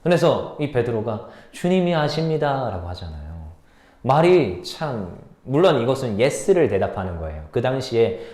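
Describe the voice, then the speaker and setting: A man's voice: medium pitch, big pitch swings, moderate pace, a little mellow, echoey room. A man, a junior pastor, preaching a sermon in a conversational way and often asking his listeners questions.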